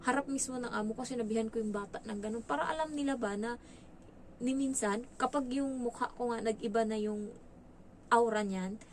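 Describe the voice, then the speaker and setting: This domestic helper from the Philippines talks fairly quickly in a voice on the high side, with slight background noise. She tells her story in a lively, casual way, acting out quoted speech and mixing in English.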